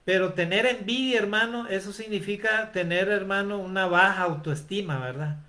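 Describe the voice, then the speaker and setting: Here a man preaches in a high, sharp-toned voice at an ordinary pace, calling his audience brother. His sermon is full of rhetorical questions, many closing with the tag "¿verdad?".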